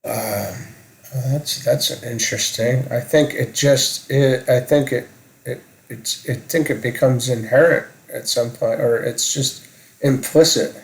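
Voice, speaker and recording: A man in casual, reflective conversation, halting and tentative as he searches for words. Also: medium pitch, gravelly, poor audio.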